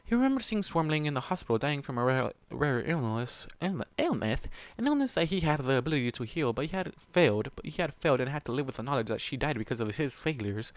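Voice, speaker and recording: A man with a mid-pitched voice reads fan fiction aloud in a close, dry recording. He narrates dramatically and slips into casual, sweary commentary, clearly invested in what happens. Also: big pitch swings, fast, few pauses, dry recording. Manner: emotionally invested, exasperated asides. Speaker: fan fiction reader and channel host. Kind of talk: dramatic story reading with casual profane reactions.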